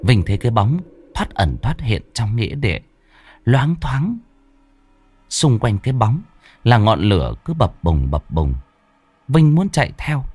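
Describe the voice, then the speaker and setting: Husky man narrating a ghost story. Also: mid-range voice, dry recording. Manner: slow, dramatic, hushed storytelling. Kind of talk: scripted horror story narration. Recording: dry close voice with faint music.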